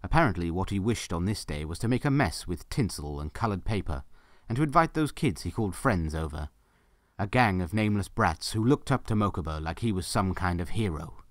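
A man's voice: deep voice, expressive, fairly quick, no echo, studio quality. A man giving scripted narration for a story, as the narrator of an audio drama.

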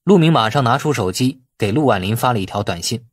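A man reads a novel aloud as an audiobook narrator. His voice is mid-pitched and slightly husky, with animated intonation. The sound is close and dry, suited to expressive storytelling. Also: quick pace, no echo. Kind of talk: scripted narration of a novel with acted dialogue.

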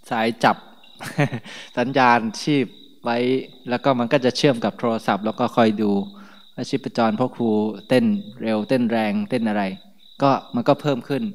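Chatty laughing monk in a reverberant hall. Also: male voice, medium pitch, clean tone. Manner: chatty and relaxed, laughs often between remarks. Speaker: Buddhist monk. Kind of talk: informal morning sermon talk.

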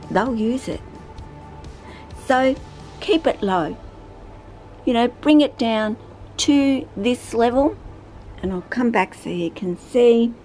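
Slow, chatty woman snake keeper. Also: mid-range voice, a little mellow. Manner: chatty, rambling, talks to her snakes. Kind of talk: casual instructional vlog. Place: snake room at home, indoors.

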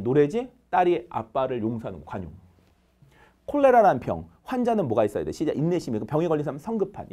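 A man teaching English vocabulary in a lively lecture, drilling students with call-and-response and counting off answers. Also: medium pitch.

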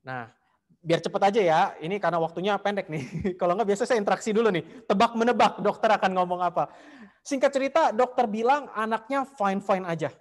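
High-voiced man telling a story in a hall. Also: a little fast. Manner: animated, lively storytelling. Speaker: speaker at a temple talk series. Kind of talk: storytelling talk. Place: large temple hall.

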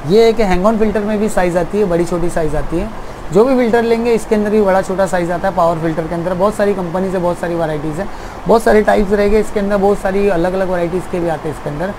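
A man's voice: high-pitched, fast talker, background noise. A young man who runs an aquarium shop, explaining at length in a casual, repetitive way, seated in his small shop.

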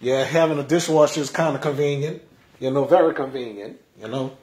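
A man hosting a casual home livestream, rambling with many repeats and soft trailing endings. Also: medium pitch, brisk, breathy edge. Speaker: livestream host. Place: home, indoors.

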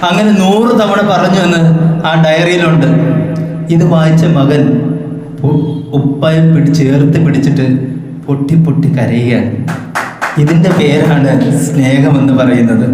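A man's voice: on the high side, a little slow, pauses often, dark tone. A man giving a formal public speech at a library event, telling stories in an oratorical way. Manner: oratorical storytelling. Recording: very echoey hall with long reverb.

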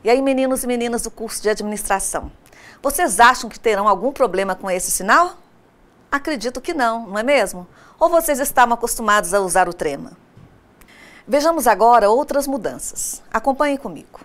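A woman with a Brazilian Portuguese accent teaching a scripted online lesson, her voice sitting a little high. She talks straight to the students in a didactic way and keeps checking in with questions. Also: lively intonation, fairly quick, fairly bright tone.

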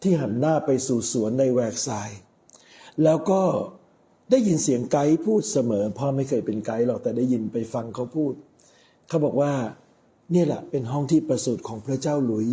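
Casting: middle-aged male priest, very dark mellow tone, unhurried sermon delivery with pauses. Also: medium pitch. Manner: measured, with frequent pauses. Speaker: Catholic priest.

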